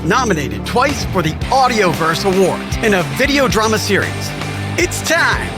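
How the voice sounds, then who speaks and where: A man's voice: high voice, sing-song, normal speed. A man delivering a dramatic, exaggerated scripted introduction as a podcast announcer. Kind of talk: theatrical scripted hype introduction. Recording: loud music bed behind voice. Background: music.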